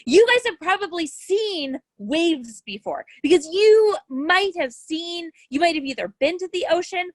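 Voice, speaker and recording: A woman's voice: extremely high pitch, expressive, measured pace, hardly any pauses, no echo. A woman science educator presenting a lesson for young children, explaining things in simple terms as she reads and demonstrates.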